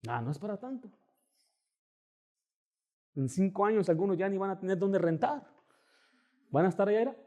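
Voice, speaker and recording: Male pastor, high voice, animated conversational sermon with acted-out quotes. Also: normal speed, pauses often. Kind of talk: Baptist sermon.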